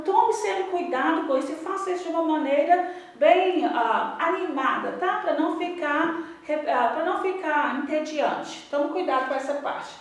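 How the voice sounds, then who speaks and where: High-voiced Brazilian woman coaching teachers. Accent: Brazilian Portuguese. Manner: lively, models English drills aloud with varied intonation. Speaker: English teacher trainer. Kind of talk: instructional talk to teachers. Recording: echoey room, voice from a distance.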